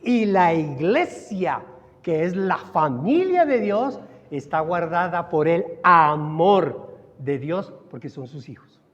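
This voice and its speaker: A man with a Colombian Spanish accent preaching a sermon as pastor, stretching some words slowly and then rising in sudden emphasis. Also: on the high side, very animated, a bit bright. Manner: preaching with dramatic slowdowns and sudden rises. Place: church hall. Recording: dull recording in a reverberant hall.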